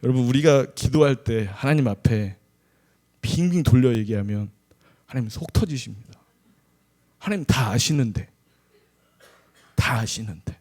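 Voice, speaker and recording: A man's voice: medium pitch, animated, normal speed, pauses often, darkish tone. Man, associate pastor, sermon, conversational, humorous asides, mid-range voice.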